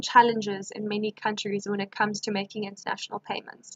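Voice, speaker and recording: A woman's fairly high voice at a fairly quick pace, in a dry, close sound with no echo. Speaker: youth organisation representative. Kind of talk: webinar presentation.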